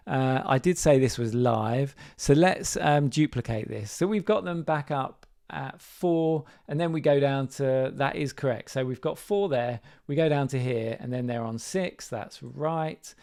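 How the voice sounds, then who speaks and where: A man with a slightly croaky voice, thinking aloud and correcting himself as he demonstrates software live. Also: medium pitch. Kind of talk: live screen-share walkthrough.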